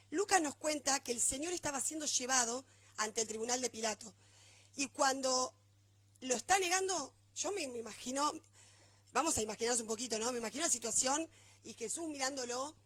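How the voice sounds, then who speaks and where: Rioplatense woman pastor preaching, higher voice. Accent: Rioplatense Spanish. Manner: conversational, asks the congregation "¿no?" often. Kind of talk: sermon.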